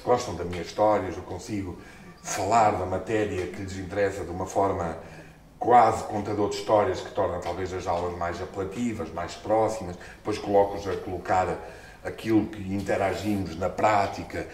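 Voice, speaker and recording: A middle-aged man with a European Portuguese accent, telling stories at a book launch, expressive and laughing often. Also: moderate pace, slight background noise. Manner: expressive, gestures and laughs often, jumps in pitch when excited. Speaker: book author. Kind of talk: animated storytelling at a book launch. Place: small stone-walled room, indoors. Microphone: far camera. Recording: echoey room.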